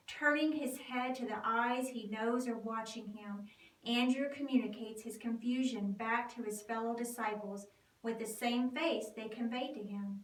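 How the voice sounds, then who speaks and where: Higher-pitched woman narrator, echoey room. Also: fairly bright tone. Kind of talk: dramatic scripted narration. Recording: echoey room, distant mic.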